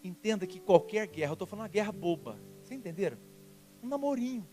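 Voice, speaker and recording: A man preaching a sermon as pastor, telling personal stories in an emphatic, lively way. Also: high-pitched, fast talker, faint music behind.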